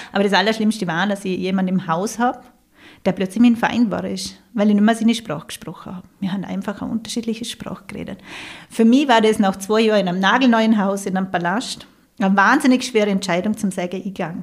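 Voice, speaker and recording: A woman's somewhat breathy, medium-pitched voice at a very fast pace, with fairly even intonation. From Austria, Vorarlberg. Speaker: single mother and blogger. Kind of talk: interview.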